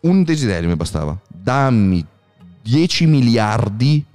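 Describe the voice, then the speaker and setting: A man's voice: mid-range voice, sing-song, unhurried, darkish tone, faint music behind. A man co-hosting a livestream, chatting casually in a playful, sometimes mock-formal way. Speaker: livestream co-host. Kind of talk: casual bantering chat.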